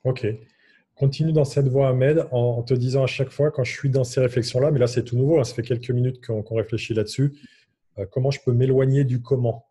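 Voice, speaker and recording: Guy running a coaching workshop on a video call, warm and mellow, a bit husky, keeps it encouraging. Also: medium pitch, a little fast. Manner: encouraging, instructive, steady. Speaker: coaching trainer leading a workshop. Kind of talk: online workshop facilitation.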